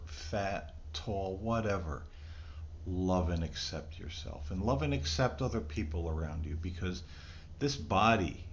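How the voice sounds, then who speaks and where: A middle-aged man with a very low voice talks casually and reflectively to his viewers. He rambles earnestly, like a conversational host. The recording is dull and lo-fi, with clear background noise. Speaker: host of a spirit recording channel. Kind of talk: casual, reflective talk to camera.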